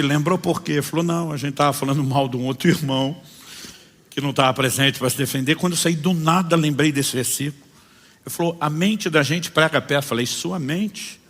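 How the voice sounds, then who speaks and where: A man preaching as a pastor, telling stories and voicing the people in them. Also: fairly high pitch. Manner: animated storytelling, voicing people in his stories. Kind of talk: sermon with acted-out anecdotes. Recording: long hall reverb.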